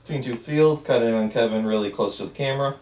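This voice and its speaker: A man's voice: medium pitch, quick pace, darkish tone. A man reading stage directions at a script table read, casual, dropping in asides. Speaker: script narrator and writer. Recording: echoey room, distant from mic.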